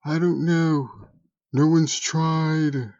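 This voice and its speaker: A man's voice: a little high, fairly even intonation, extremely slow, darkish tone, dull audio. A man voicing a smug, sly troll creature in an audio drama, with a sardonic, wheedling manner. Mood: placating. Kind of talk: audio drama character acting.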